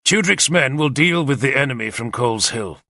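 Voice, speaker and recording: A man voicing a confident, energetic male war leader who lays out battle plans decisively. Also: mid-range voice, moderate pace, no echo, clean studio sound, voice pushed up. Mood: commanding. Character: bold confident male warlord commander.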